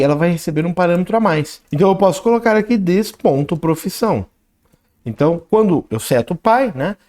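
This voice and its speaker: A man teaches programming in a screen-recorded coding lesson. He explains as he types and reads the output aloud, often adding a quick "né?". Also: on the high side, darkish tone. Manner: talks while typing code, reads output aloud, frequent "né?" and "ok?". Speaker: programming instructor.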